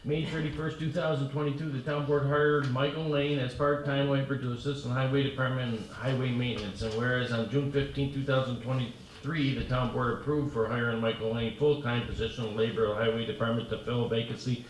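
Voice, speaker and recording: A man's voice: mid-range voice, flat delivery. Man stumbling through a resolution reading. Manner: stumbling, slow over numbers. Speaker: town board member. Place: town hall meeting room. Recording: echoey room, far from mic, faint noise.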